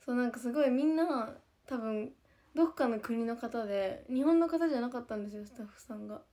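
A woman's voice: fairly high pitch, quick pace, mellow. A young woman from an idol group chatting casually to viewers, talkative and giggly, often repeating herself.

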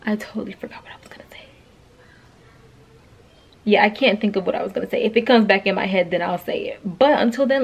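A woman vlogging in a casual, rambling chat, a bit out of breath. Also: medium pitch. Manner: chatty, rambling, quick bursts.

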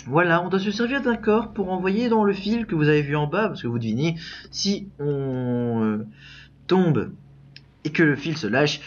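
Guy doing let's play commentary, high bouncy voice, keeps yelling at the laggy game, kinda muffled lo-fi mic. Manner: exclamatory, frustrated outbursts at a lagging game. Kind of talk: casual gameplay commentary.

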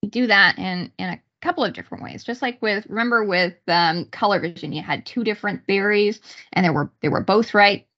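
A woman giving an explanatory online lecture, speaking haltingly with pauses mid-sentence over a video call. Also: mid-range voice, fairly bright tone, muffled recording. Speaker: university psychology lecturer. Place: small room indoors, on a video call.

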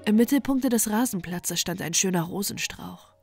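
A woman storyteller reads a bedtime fairy tale in a calm, hushed voice, often sinking to a near whisper. Soft music drifts faintly behind her. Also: medium pitch, normal speed, gravelly.

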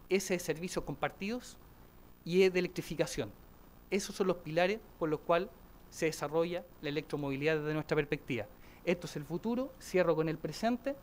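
A man giving a conference presentation at a podium, listing vehicles in a brisk way. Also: a little high. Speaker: conference speaker, vehicle company.

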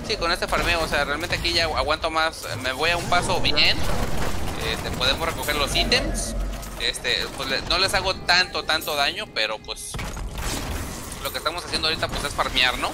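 A man's voice: fairly high pitch, music in the background. Chatty man streaming a game. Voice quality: trailing restarts, drawn-out fillers. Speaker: gamer streaming gameplay. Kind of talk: casual gameplay chat.

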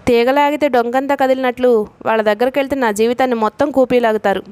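A woman's voice: fairly high pitch, fairly even intonation, fast, a little mellow, clean tone, no echo, lightly acted. A woman voicing a worried, scheming middle-aged man while reading a novel aloud, in a tense, guarded tone.

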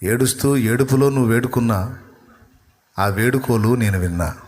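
A man's voice: mid-range voice, moderate pace, darkish tone, slight background noise. A man preaching in a reverberant hall. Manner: storytelling, acts out quoted dialogue with rising and falling intensity. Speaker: pastor. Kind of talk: sermon.

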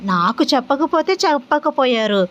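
A woman's voice: sits high, animated, normal speed, lo-fi sound. A woman voicing a playful wife who teases her husband with innocent, sing-song questions. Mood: innocently teasing.

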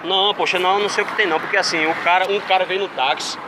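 A man hosting a street prank video, talking quickly and insistently as he presses strangers. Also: high-pitched, steady tone. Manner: insistent, pleading, fast-talking. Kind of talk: street prank, persuasive chatter. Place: outdoors on a city street. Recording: street noise from passing cars. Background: traffic noise.

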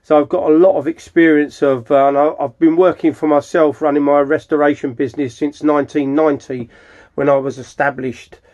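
A middle-aged British man talks casually through a restoration job in his workshop. His voice sits slightly high, and he rambles informally, rephrasing as he goes. The handheld recording sounds a bit dull and lo-fi. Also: fairly even intonation, a little fast, darkish tone. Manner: informal, rambling, self-correcting. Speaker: furniture restorer presenting his project. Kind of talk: casual hands-on video walkthrough. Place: cluttered indoor wooden workshop. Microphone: handheld camera mic, speaker behind camera.

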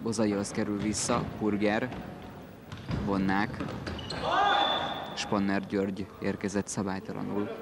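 Tersely calling out names as each play unfolds, a man commentates live on indoor football. His voice is lowish and level, broken by long pauses. Ball bounces echo through the noisy recording made in the indoor sports hall.

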